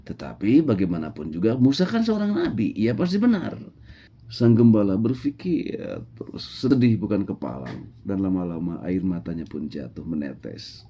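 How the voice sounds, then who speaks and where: A man with a Sundanese accent telling a religious story in a relaxed lecture, dropping in Sundanese words and chatty tag fillers. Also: fairly low pitch, moderate pace, slightly rough.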